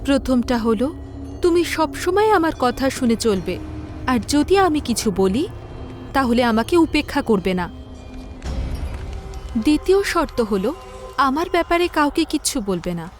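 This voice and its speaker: Casting: actress as alluring female spirit, high soft voice, commanding, horror audio drama over music. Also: sing-song, a little slow, long pauses. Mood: commanding, possessive. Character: beautiful female spirit laying down binding conditions.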